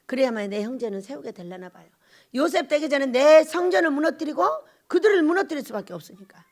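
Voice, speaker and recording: A woman pastor delivers a Sunday sermon, moving between loud, emphatic exhortation and hushed asides while putting short questions to the congregation. Her voice is high with lively intonation and a quick pace.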